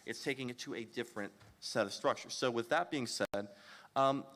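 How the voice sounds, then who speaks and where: A man's voice: medium pitch, brisk, fairly bright tone. A man giving a panel presentation at a convention, lecturing with frequent fillers and restarts. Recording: long hall reverb.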